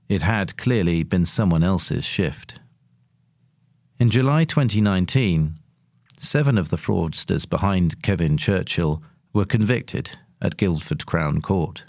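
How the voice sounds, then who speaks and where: A man's voice: low voice, a little mellow, no room sound, studio quality. A man reading a scripted long-form article as narrator.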